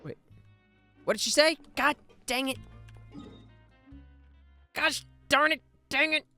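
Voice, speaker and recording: A man's voice: very high voice, slow pace, sharp tone, soft background music. A man streaming a video game, chatting casually with playful, jokey asides. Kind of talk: casual playthrough commentary.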